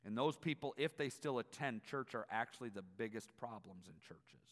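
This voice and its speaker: A man's voice: medium pitch, expressive, moderate pace. Man preaching in a reverberant hall. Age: 40s. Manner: emphatic, swinging from quiet asides to loud exclamations. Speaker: guest preacher. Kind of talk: church sermon. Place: church auditorium. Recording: long echo of a large hall.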